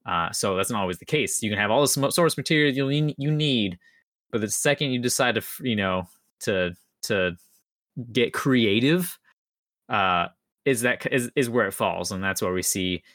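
Guy chatting on a podcast, bright forceful voice, very dry recording, kinda halting, repeats himself. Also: lowish voice, expressive, dry recording. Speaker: podcast panelist. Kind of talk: casual podcast discussion.

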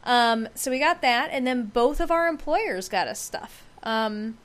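A woman's voice: a little high, lively intonation, unhurried, fairly bright tone. A woman co-hosting a podcast in casual chat, with many hesitations and fillers. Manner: hesitant, filler-heavy, amused. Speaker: podcast co-host.

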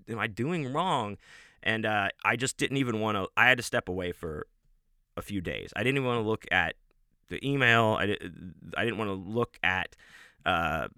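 A man's voice: fairly low pitch, bright, forceful tone, no room sound, clean studio sound. A man hosting his own show, talking casually and at length with many restarts and fillers, and swearing now and then. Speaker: podcast host and audiobook narrator. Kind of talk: casual rambling monologue.

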